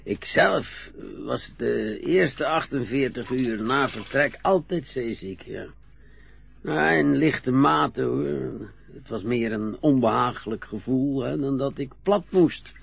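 A slow, gravelly old sea captain, played by a Dutch-accented man in a radio play, drifting through his memories with a modest chuckle. His voice is husky and unhurried, on a dull lo-fi recording. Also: medium pitch, no echo, exaggerated voice. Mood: reminiscing. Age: older. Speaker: retired merchant navy captain.

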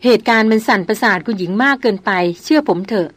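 A woman narrator voices a steady male jungle hunter in a storybook reading. He talks slowly and gently, soothing and reasoning. The sound is close and dry. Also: on the high side, dry recording. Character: calm, protective male big-game hunter.

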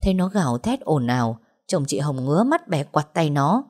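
A woman narrating a family drama story in a steady, dramatic way. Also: low-pitched, moderate pace.

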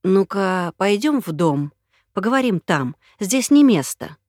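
A woman's voice: mid-range voice, very animated, a little slow, darkish tone, no echo. An anxious man presses urgent questions, as a woman reader voices him, his tone turning menacing. The audiobook sound is dry and close.

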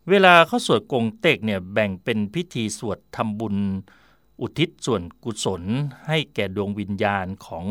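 A man hosting a radio talk slot, chatting in a digressive way about where words come from, with fillers and quick self-corrections. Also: fairly low pitch, fairly bright tone, no room sound, studio quality. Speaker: radio host. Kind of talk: explaining word origins in casual talk.

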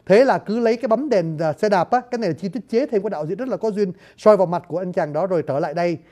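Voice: mid-range voice, rapid-fire, mellow. A storyteller explaining a stage play to listeners in a chatty, joking way, often addressing them directly. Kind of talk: lively spoken commentary to listeners.

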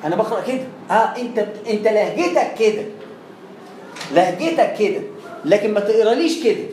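A man's voice: sits high, expressive, a little fast, a little mellow. A man with an Egyptian Arabic accent teaching Quran recitation in a chatty way, repeating words and sounding out letters. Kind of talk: explanatory lesson. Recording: roomy echo, faint background noise.

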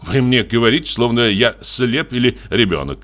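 Male narrator doing a touchy young soldier, hesitant, stubborn, bright tone. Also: mid-range voice, lively intonation, normal speed, lightly acted. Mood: offended. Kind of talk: audiobook character reading.

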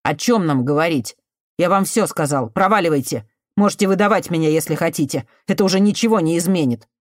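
A woman reading an audiobook voices a desperate young man who answers with bitter sarcasm and often breaks into shouting. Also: lowish voice, a little fast, no echo, studio quality, lightly acted.

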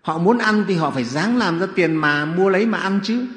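A man's voice: medium pitch, animated, fast, darkish tone, lightly acted. A man voicing a stingy wealthy miser husband who scolds his wife in an exasperated way. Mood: scolding. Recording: echoey hall.

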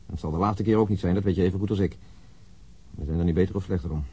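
A man's voice: low voice, racing, dark tone, breathy edge. An actor playing a phlegmatic, pragmatic male police colleague in a radio drama, dry and matter-of-fact. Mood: dry, admonishing. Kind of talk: Dutch radio drama acting.

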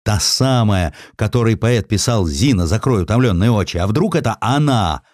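A refined, thoughtful newspaper editor acted by a man in an audio drama. The voice is low and expressive, with resolute, old-fashioned educated phrasing. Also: no echo, studio quality, natural voice. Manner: musing, drawn-out, old-fashioned educated speech. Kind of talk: Russian audio drama storytelling.

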